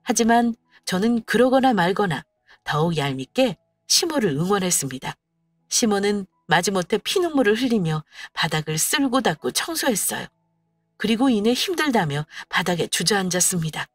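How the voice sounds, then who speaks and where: A woman's voice: mid-range voice, very animated, normal speed, dry recording, soft background music. A woman narrating a first-person story in a teasing, scripted way.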